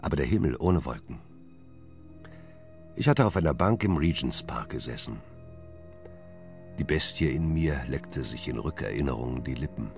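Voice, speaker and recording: A haunted gentleman doctor speaks in an extremely deep, creaky voice. He is secretive and weighed down by guilt, confessing deliberately in literary phrases, as in a radio play, with music underneath. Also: lively intonation. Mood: brooding confession. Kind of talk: German radio play narration and dialogue.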